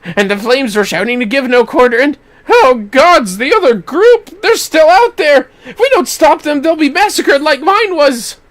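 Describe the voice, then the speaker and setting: Traumatized male refugee acted by a game streamer, high voice, pleading, breathless, distraught, fantasy game, very animated pitch. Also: normal speed. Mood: shaken, urgent.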